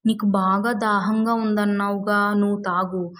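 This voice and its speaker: A woman voicing a selfless young male elephant in a children's story, gently insistent and caring. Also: medium pitch, little pitch movement, measured pace, faint music behind, lightly acted. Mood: caring, persuasive.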